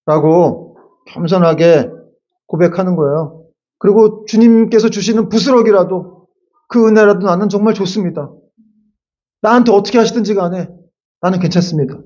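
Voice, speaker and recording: A male pastor giving a lively Sunday sermon, acting out quotes and adding casual asides to the congregation. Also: high voice, moderate pace, pauses often, dull audio. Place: church sanctuary.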